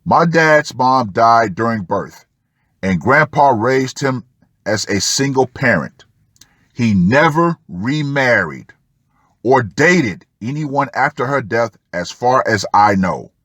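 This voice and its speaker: A man hosting an online commentary show, reading a post aloud and commenting with deliberate, dramatic emphasis and drawn-out words. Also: medium pitch, lively intonation, fairly bright tone, no echo, clean studio sound.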